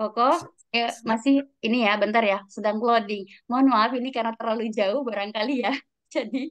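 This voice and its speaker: Fairly quick delivery with fairly even intonation, long and frequent pauses, and a quiet background. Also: woman, fairly high pitch for a woman. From Riau Islands, Indonesia. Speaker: public speaking trainer. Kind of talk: online webinar talk. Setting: video call. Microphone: video call.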